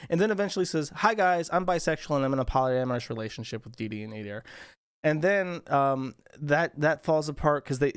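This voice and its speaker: A man chatting casually, winding through a rambling, profane story. His pitch sits mid-range. The sound is close and dry. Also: no echo. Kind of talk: casual chat.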